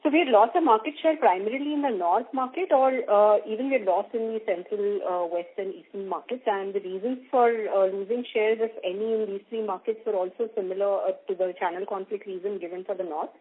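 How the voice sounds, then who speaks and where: A woman's voice: mid-range voice, brisk, hardly any pauses. Woman questioning over a phone line. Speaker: analyst asking questions. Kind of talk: investor question on a conference call. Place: conference call. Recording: narrow, tinny phone-line audio.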